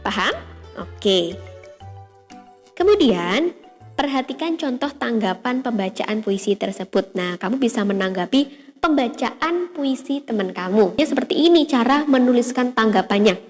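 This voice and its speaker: A woman primary school teacher with an Indonesian accent gives an online lesson to young children, explaining patiently step by step and often saying "ya" and "nah". Her voice is fairly high with lively intonation and a slightly slow pace, with soft music in the background.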